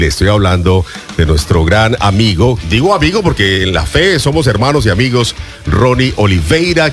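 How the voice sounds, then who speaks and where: A man hosting a Christian radio show, interviewing a pastor and affirming his answers with phrases of faith. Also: lowish voice. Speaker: radio host.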